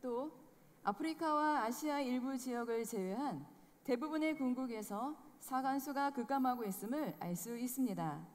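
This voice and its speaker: A woman presenting a formal scripted report in a clear, formal tone. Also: high-pitched, moderate pace, a little mellow. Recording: long hall reverb.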